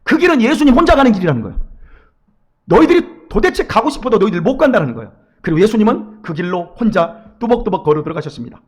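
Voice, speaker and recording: A male pastor preaching a sermon in a church, acting out quoted voices and swinging between loud urging and hushed asides. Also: high-pitched. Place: church sanctuary.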